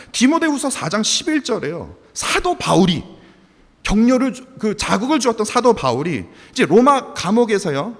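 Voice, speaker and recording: A man in his forties delivers a sermon in a church sanctuary. His voice sits high and ranges widely as he pushes rhetorical questions at the congregation. A long reverb trails each phrase. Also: breathy edge. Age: 40s. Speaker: pastor.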